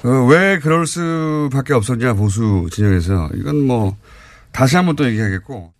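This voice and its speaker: A man's voice: mid-range voice, lively intonation, normal speed, dry recording. A man hosting a live radio current-affairs show, talking in an informal, opinionated way with rhetorical questions.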